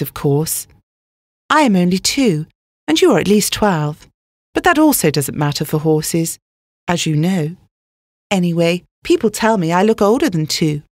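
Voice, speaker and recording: A woman plays a smitten young male racehorse reading out his love letter. The delivery is earnest, gushing and a little vain, in a lowish, very dry studio voice. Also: no room sound.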